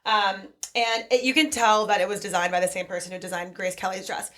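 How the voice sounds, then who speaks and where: A woman's voice: medium pitch, level tone, brisk, a bit bright. A woman from a bridal salon, chatting on a podcast and gushing about wedding dresses. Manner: gushing, enthusiastic. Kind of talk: casual podcast chat.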